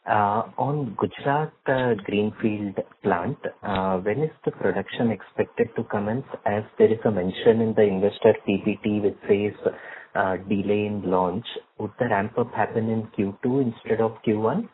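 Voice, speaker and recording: A male analyst puts polite questions on an earnings call. His voice is fairly low and comes through a narrow phone connection with slight noise. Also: moderate pace. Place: telephone conference call.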